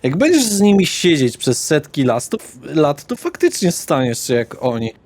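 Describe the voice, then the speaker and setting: A man's voice: fairly high pitch, wildly swooping pitch, normal speed, a little mellow, dry recording. A man running a tabletop roleplaying game, speaking in character in a blunt, slangy way with frequent swearing. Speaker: game master.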